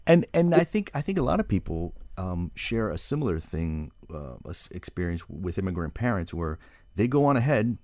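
A man hosting an interview poses long, meandering questions with plenty of fillers. His voice sits low, and the recording is dry and close. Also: very animated, moderate pace, darkish tone, no room sound. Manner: thoughtful, rambling questions with fillers. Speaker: radio interview host. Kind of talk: conversational interview.

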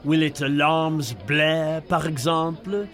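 A man playing an absurdly pedantic existentialist, excitable and argumentative in sketch comedy. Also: a little high, slow pace. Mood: indignant pedantry.

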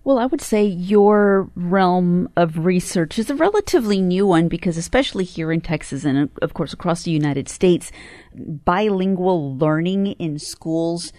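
A woman with a very low voice who asks an interview guest slow, deliberate questions. The sound is dry and close, with no room echo. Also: animated, warm tone. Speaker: radio interviewer.

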